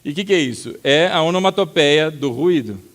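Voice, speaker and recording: Lively Brazilian pastor preaching. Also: male voice, on the high side, a little fast. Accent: Brazilian Portuguese. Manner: lively storytelling with sudden loud acted-out outbursts; addresses the congregation as brother. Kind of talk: sermon.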